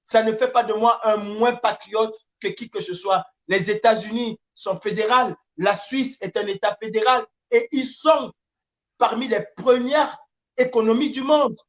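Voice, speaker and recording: A man's voice: high-pitched, steady tone, a little slow. A man with a Francophone Cameroonian accent making an impassioned political appeal, emphatic and repetitive, sometimes hesitating as he searches for words. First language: French. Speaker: activist and campaigner.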